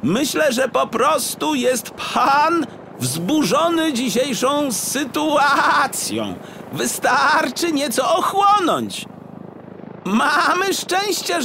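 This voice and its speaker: A man voicing a smug, courteous frog official in a children's audiobook, croaking and drawing out his words theatrically. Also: very high voice, animated, slow pace, pushed and bright, slight background noise, pitched above the performer's own voice, exaggerated voice. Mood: smooth, insistent. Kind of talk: audiobook character acting for children.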